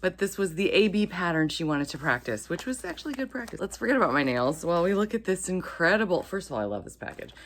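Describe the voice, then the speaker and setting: A woman's voice: lowish voice, big pitch swings, fast talker, hardly any pauses, a little hiss or hum. A woman hosting a book channel, chatting to camera in an enthusiastic, gushing and playful way. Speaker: host of a romance book channel. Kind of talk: excited casual book vlog to camera.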